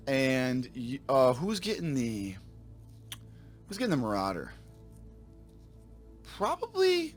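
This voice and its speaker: A man with a slightly raspy voice from a sore throat, casually commenting on his game for viewers and thinking aloud as he corrects himself. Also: medium pitch. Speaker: let's play host.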